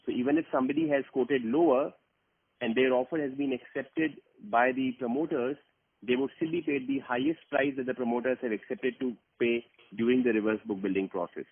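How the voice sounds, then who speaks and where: A man's voice: mid-range voice, creaky, slightly rough. A man, a company executive methodically explaining a process on a conference call. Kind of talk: explanatory earnings call answer. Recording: muffled narrowband phone conference line.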